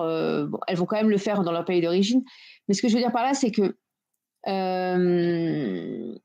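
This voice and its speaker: Young French woman, mellow and searching. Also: medium pitch. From France. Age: 20s. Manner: thoughtful, searching for words. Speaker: discussion guest. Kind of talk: casual group discussion. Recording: dull lo-fi sound.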